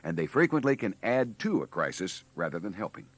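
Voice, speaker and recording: A man's voice: low voice, sing-song, fairly quick, no room sound. A man reading scripted narration for a 1980s training filmstrip, with a preachy, wry delivery.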